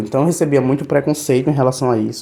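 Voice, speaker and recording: A man with a strong northeastern Brazilian accent, medium pitch and a dark, mellow tone. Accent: thick Northeastern Brazilian. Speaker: YouTuber, beautician. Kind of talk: commentary vlog. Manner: clear diction.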